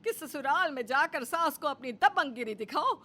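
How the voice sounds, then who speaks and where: A woman's voice: high-pitched, lively intonation, normal speed, bright, forceful tone. A woman voicing a grumbling, dramatic elderly mother-in-law in a cartoon story, scolding with theatrical sighs.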